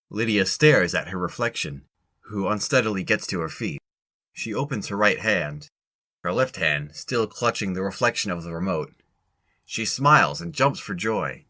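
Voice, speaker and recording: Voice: sits low, sharp tone. A narrator reading scripted story narration for an audio drama.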